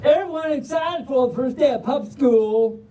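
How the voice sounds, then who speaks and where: A woman voicing an exuberant, folksy storybook reader with a put-on Southern drawl and drawn-out words. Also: high-pitched, mellow, voice pushed up, lightly acted. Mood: folksy, excited. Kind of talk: performed children's storybook reading. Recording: far from mic, faint background noise.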